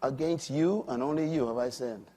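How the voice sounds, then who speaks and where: An older man preaching a sermon, swinging from loud emphatic peaks to quiet low asides. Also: moderate pace.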